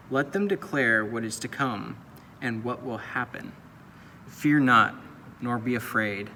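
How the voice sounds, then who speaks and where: Young man reading scripture slowly. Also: medium pitch, sharp tone. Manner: slow, measured, deliberate. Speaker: scripture reader. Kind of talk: slow solemn Bible reading. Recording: long reverb, faint noise.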